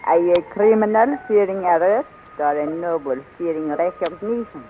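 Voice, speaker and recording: A woman's voice: on the low side, moderate pace, faint music behind, lightly acted. A woman playing a haughty, seductive, cruel princess with imperious, languid delivery in a 1930s radio serial. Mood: coyly commanding. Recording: muffled 1930s radio recording.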